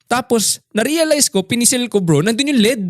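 A man's voice: extremely high pitch, expressive, normal speed, dry recording, clean studio sound. A Filipino man co-hosting a podcast, telling rambling childhood stories in casual chat and laughing at his own jokes. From Philippines. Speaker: podcast co-host.

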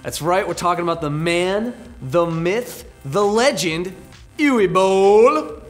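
A man's voice: sits high, slow pace, soft background music. A young man co-hosting a scripted comedy explainer in a small studio, jokey and playful with exclaimed bits. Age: young adult. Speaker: co-host.

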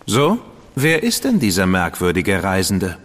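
Self-assured Victorian agent. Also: male voice, low voice, huge pitch swings, a little slow, a bit bright, big-room sound, exaggerated voice. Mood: probing. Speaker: agent of the crown. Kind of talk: studio radio drama acting.

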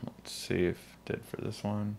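A man's voice: fairly low pitch, flat delivery, moderate pace, vocal fry, a little mellow, a little hiss or hum. A man hosting a casual step-by-step tech tutorial, talking the viewer through each step. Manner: spells out his name letter by letter in intro and sign-off.

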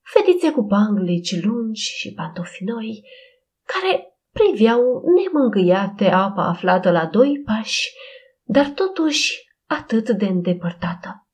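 A woman's voice: medium pitch, big pitch swings, darkish tone. Woman narrating a Christian audiobook.

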